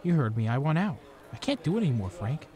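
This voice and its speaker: A tense young hitman, played by a man in a radio play, his voice swinging widely in pitch. He talks hushed and weary, then bursts into shouts. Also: big pitch swings, fast. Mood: subdued. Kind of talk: amateur radio drama.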